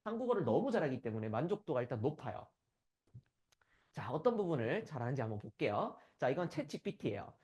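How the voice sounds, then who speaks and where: A man's voice: mid-range voice, sing-song, fast, darkish tone. A man from the Gyeongsang region giving a conference lecture, often asking the audience for agreement as he goes. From Gyeongsang region, South Korea. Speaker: conference speaker.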